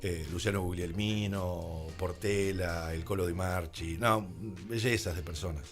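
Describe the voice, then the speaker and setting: A man's voice: low-pitched, steady tone, unhurried. An Argentine man, a guest in a radio studio, telling stories conversationally and quoting dialogue as he goes. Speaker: radio drama producer and adapter, interview guest. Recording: music playing under the voice.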